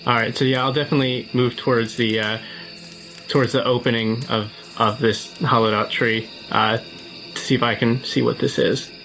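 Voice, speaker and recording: A man playing a tabletop game, improvising and describing his character's moves in a halting, tentative, casual way. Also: mid-range voice, fairly even intonation, fairly bright tone, rough recording. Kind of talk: casual improvised roleplay and narration. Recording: faint music under the voice.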